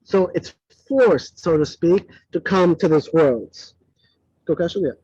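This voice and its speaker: Animated man teaching a class. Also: on the high side, a little slow, slightly rough, no echo. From Switzerland. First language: not English. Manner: animated, self-correcting, chatty asides. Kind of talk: classroom lecture with audience questions. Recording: dull lo-fi dry recording.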